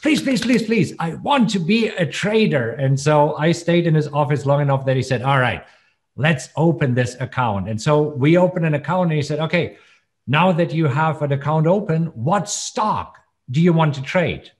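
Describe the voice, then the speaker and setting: A man's voice: on the high side, expressive, normal speed. A man in his fifties with a German accent, a native German speaker, telling personal stories conversationally as an interview guest. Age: 50s. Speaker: trading educator, interview guest.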